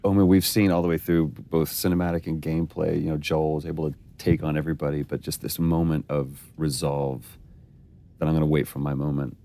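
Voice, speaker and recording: A man's voice: a bass voice, level tone, brisk, mellow, slight background noise. A man giving casual commentary on a game scene, admiring and enthusiastic about the performances.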